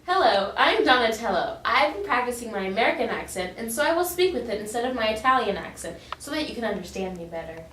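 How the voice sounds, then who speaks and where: A woman's voice: a little high, sing-song, fast, few pauses, fairly bright tone. A woman playing a friendly, self-assured male Renaissance sculptor, speaking plainly in a school-style historical skit. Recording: echoey hall from far off, noisy.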